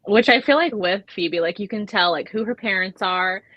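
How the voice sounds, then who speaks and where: A woman's voice: mid-range voice, moderate pace, no room sound, dull audio. A woman in a casual book discussion, speaking informally and agreeably. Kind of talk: casual chat.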